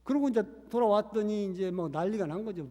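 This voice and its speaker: A man's voice: high-pitched, a little fast, mellow. A man who is a missionary preaching a sermon, telling a story earnestly. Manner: earnest storytelling, acting out quoted voices. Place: church sanctuary. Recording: reverberant church hall.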